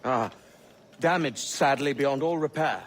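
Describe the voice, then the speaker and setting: An actor playing a guarded young sailor posing as a turncoat, terse and hesitant, in a video game. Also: male voice, mid-range voice, unhurried, a little hiss or hum, natural voice.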